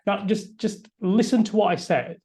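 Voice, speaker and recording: A man's voice: high voice, normal speed, dark tone. A middle-aged man from Yorkshire, a lawyer, speaking earnestly and with emphasis at a community briefing, often repeating words as he restarts. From Yorkshire, England. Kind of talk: earnest public address.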